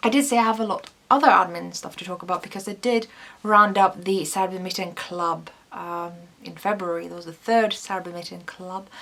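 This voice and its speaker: A woman speaks with a Norwegian accent at a fairly quick pace. Her loudness swings widely, while her pitch variation is ordinary. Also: medium pitch for a woman. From Norway. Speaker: knitting podcaster and designer. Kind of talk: casual vlog talk. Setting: home. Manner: animated.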